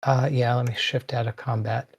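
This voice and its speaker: A man's voice: medium pitch, flat delivery, moderate pace, creaky, breathy edge. A man playing a tabletop game, talking hesitantly while fumbling through his character sheet. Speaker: player. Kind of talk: casual game talk.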